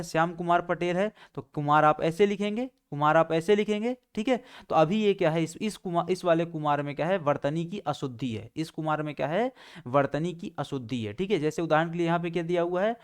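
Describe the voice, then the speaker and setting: A man's voice: fairly high pitch, clear, resonant tone. Rhetorical, question-heavy male teacher. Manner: keeps asking rhetorical questions and answering them himself; repeats key points, with many pauses and fillers. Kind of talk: exam-prep lecture.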